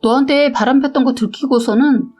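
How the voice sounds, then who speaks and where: A woman's voice: sits high, brisk, darkish tone, soft background music. A woman voicing a cheating husband who pleads and makes excuses, in a read-aloud story. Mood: self-pitying. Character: cheating husband, man, sheepish and self-pitying.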